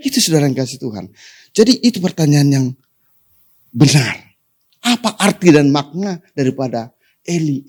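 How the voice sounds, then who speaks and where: A pastor preaching to his congregation, often calling for amen, rising to sudden high emphatic peaks and dropping to soft endings. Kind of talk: sermon.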